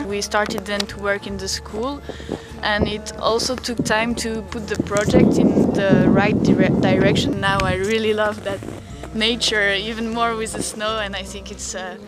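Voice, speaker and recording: Woman guiding a home tour. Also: medium pitch. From France. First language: French. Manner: friendly, simple non-native English. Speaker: European volunteer. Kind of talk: casual home tour and reflection. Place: shared house indoors. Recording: echoey room, loud music behind.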